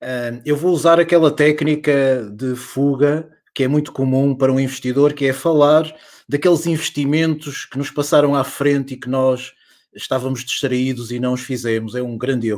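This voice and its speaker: A man speaks at a moderate pace with a European Portuguese accent. His pitch is fairly high and his intonation fairly even. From Portugal. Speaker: venture capital investor. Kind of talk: panel discussion.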